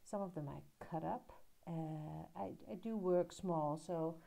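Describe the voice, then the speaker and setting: A woman giving a relaxed, rambling voiceover about her art journal page, pausing often and filling gaps with little hesitations. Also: fairly low pitch, gravelly. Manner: relaxed, rambling, with many pauses and fillers. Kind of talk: casual voiceover narrating her crafting. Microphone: voiceover recorded at her laptop.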